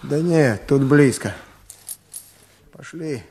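An actor playing a brash, edgy young villager turned bandit in a Russian radio drama, clipped and commanding. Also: male voice, medium pitch, drawn-out words, darkish tone, a little hiss or hum. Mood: brisk command.

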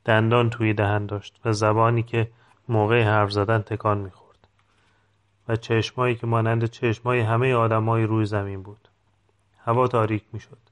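Calm male audiobook narrator. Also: on the low side. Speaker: audiobook reader. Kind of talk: scripted literary narration.

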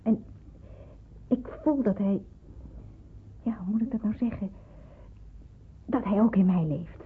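A woman's voice: medium pitch, takes it slowly, slight background noise, lightly acted. An actress playing an earnest young Jewish woman in hiding in a Dutch radio play, speaking with emphatic, pleading conviction. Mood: earnest, fervent. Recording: muffled narrowband old radio play.

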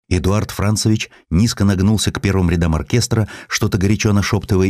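A male narrator reads literary prose with theatrical flair. His voice is low and swings widely in pitch, captured in a very dry recording. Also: dry recording. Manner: theatrical, expressive storytelling. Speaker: audiobook narrator. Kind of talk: dramatic scripted literary narration.

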